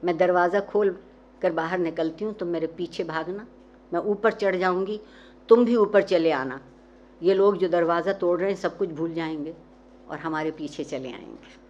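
A bold, reckless young woman, as a woman reader puts her on snaps short, impatient orders with a teasing bite. The voice sits slightly low. The recording is dull and muffled, with faint ambience behind it. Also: darkish tone, slight background noise, lightly acted. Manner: brusque and teasing, impatient commands. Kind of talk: dramatic reading of a short story.

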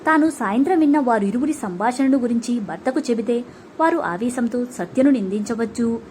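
Warm-voiced woman narrating a story. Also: on the high side, animated, brisk, slight background noise. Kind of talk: scripted audiobook narration.

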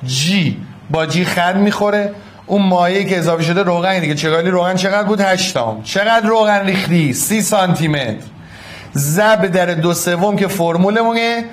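A man teaching a physics problem to an online class, coaxing and affectionate, repeating each step. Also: sits high.

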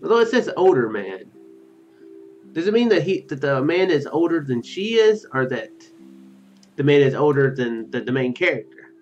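A man in his thirties with a slightly high, very lively voice reads a story game aloud. He drifts into casual, musing asides as he goes. The audio is a bit dull, with music playing underneath. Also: moderate pace. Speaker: let's play host. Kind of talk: reading game text aloud with casual commentary. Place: small room at home.

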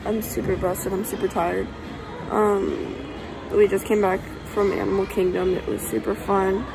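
A woman's voice: medium pitch, little pitch movement, unhurried, vocal fry, rough recording. A teenage girl vlogging casually on a theme park trip, chatty, worn out and poking fun at herself, filmed on a phone. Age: teens. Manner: chatty, tired and self-deprecating. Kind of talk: casual travel vlog. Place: theme park, buses and plane. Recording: phone recording with music and crowd noise.

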